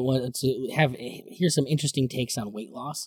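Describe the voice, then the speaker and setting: Somewhat breathy and dark, mellow in tone, a man speaks at a fairly quick pace with fairly even intonation. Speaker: podcast host. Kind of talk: casual chat.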